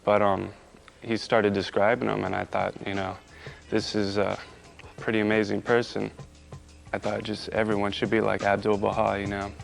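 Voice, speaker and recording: A man's voice: lowish voice, level tone, normal speed, vocal fry, faint music behind. A young man being interviewed, giving a casual personal account in a conversational way.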